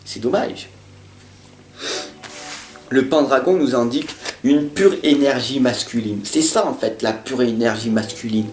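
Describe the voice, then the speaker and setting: A man giving a monthly horoscope reading from tarot cards, talking in an earnest, repetitive motivational way, stuttering at times and swinging between loud and soft. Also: mid-range voice, unhurried, pauses often. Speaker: tarot reader. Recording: roomy sound with faint guitar music.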